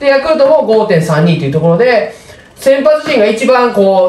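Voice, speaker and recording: A man talks with a high pitch and very wide pitch swings. Audible room echo surrounds his voice. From Kyoto, Japan (Kansai). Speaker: former pro baseball player, baseball commentator. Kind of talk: casual analysis vlog. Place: home room.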